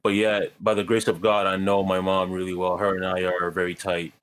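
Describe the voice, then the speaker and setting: A man from Ghana, a guest in a conversation, telling his life story in a measured, earnest way with light self-deprecating humor. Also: low voice, completely flat delivery, fairly bright tone, clean tone.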